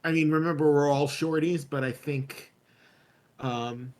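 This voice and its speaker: A man's voice: steady tone, measured pace. A man playing a tabletop game, chatting casually with a wry, grumbling manner. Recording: noticeable low rumbling background noise.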